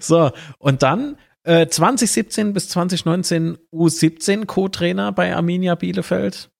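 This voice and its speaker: A man's voice: high-pitched, unhurried, gravelly. A man from the Palatinate, interviewing in a chatty, joking manner. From Palatinate, Germany. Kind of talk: interview, casual talk.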